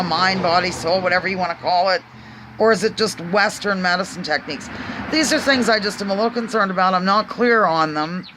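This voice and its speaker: A woman with a Pennsylvania accent hosts her own vlog, musing casually to viewers in a rambling, hesitant monologue full of ums and restarts. Her voice sits on the low side with a bit of brightness, and she sounds earnest and questioning.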